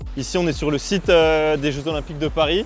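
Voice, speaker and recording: A man with a fairly high pitch talks at a moderate pace with fairly even intonation over noticeable background noise. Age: 20s. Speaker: athlete. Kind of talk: interview. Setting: outdoors. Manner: hesitant with frequent fillers.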